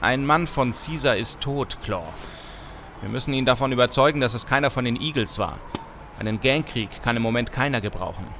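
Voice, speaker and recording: Ein Mann spielt in einem deutschen Hörspiel einen gebieterischen, besonnenen Straßengangboss, der im Slang Befehle gibt. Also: male voice, medium pitch, fairly quick, a bit bright, a little hiss or hum, lightly acted. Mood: firm, bossy. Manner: authoritative, slangy, giving orders. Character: commanding Brooklyn street gang leader, male, urging prudence. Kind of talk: German audio drama acting.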